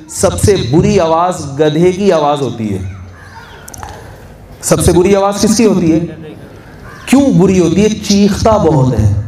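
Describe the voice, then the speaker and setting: A man's voice: fairly high pitch, warm tone. A man giving a sermon to a gathering, asking his listeners questions and answering them himself. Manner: conversational, asks the audience questions and answers them. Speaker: religious scholar. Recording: echoey hall from a distance, faint noise.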